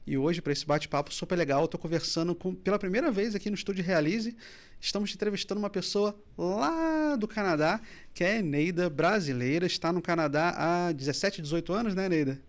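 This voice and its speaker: A man's voice: sits high, animated. A man hosting a finance podcast in a studio, reading sponsor spots and opening an interview with energy. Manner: fast, enthusiastic, loud welcome. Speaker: podcast host.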